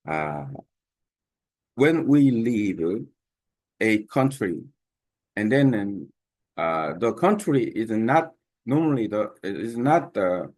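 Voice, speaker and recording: Slow, halting man with a Korean accent. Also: on the low side, darkish tone, no echo. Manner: halting, many pauses and fillers. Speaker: language learner sharing his method. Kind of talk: unscripted talk to camera.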